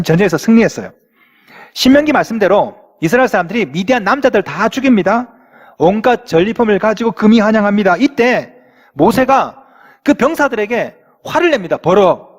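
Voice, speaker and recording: A male pastor preaching a sermon in a church, reading scripture aloud and putting questions to the congregation. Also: sits high. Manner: asks the congregation rhetorical questions. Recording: long hall reverb in a church.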